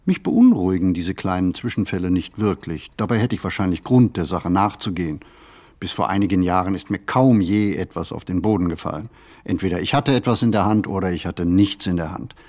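An actor playing a pensive, hesitant city stroller in a radio play monologue, speaking deliberately and haltingly with a husky voice. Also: male voice, low voice, darkish tone. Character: male pensive, hesitant city stroller musing on everyday life.

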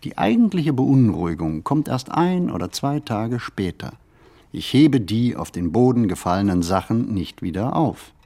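An actor playing a pensive, hesitant city stroller in a radio play monologue, speaking deliberately and haltingly with a husky voice. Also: male voice, fairly low pitch, sing-song, warm tone. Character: male pensive, hesitant city stroller musing on everyday life.

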